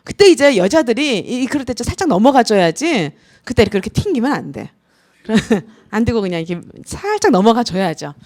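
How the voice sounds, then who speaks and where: A woman in her forties, a pastor's wife, giving a lively lecture at a student retreat and acting out little quoted scenes as she tells stories. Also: on the high side, a little fast. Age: 40s. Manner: lively storytelling, acts out quotes.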